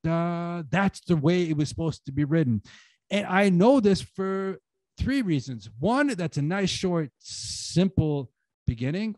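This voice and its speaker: A man's voice: on the high side, a little mellow, no echo. A man giving a casual talk on writing at an online conference, full of "like" and "you know" fillers, speaking over a video call. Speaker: guest speaker, writing teacher.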